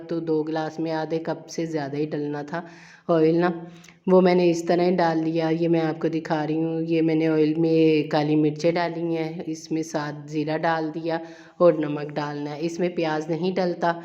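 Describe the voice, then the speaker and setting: A woman's voice: low-pitched, lo-fi sound. A middle-aged woman, chatting casually to viewers while she cooks in her home kitchen. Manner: chatty, homely, repeats herself warmly. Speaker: vlogger. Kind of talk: casual chat while cooking.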